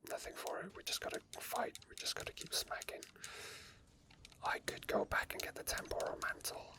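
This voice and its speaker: A streamer plays a video game and murmurs unscripted ASMR commentary in a soft, breathy whisper that carries barely any voice. At a moderate pace, he sounds hesitant and keeps adding little asides.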